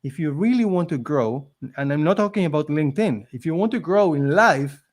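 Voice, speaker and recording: A man's voice: fairly high pitch, expressive, brisk. Earnest man with a foreign accent. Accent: non-native accent in English. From immigrant living in Canada. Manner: earnest, emphatic, motivational. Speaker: podcast guest. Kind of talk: conversational storytelling.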